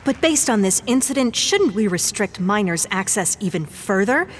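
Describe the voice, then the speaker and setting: A woman's voice: medium pitch, big pitch swings, normal speed, close to an everyday voice. An actress playing a pushy, probing female news reporter in an audio drama, firing insistent leading questions. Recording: noisy crowd ambience behind.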